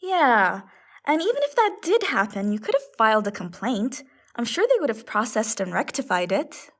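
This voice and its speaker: Fantasy comedy sleuth, female actor: high, animated, reasonable, quick to question. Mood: inquisitive. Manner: inquisitive, matter-of-fact. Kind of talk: audio fiction comedy acting.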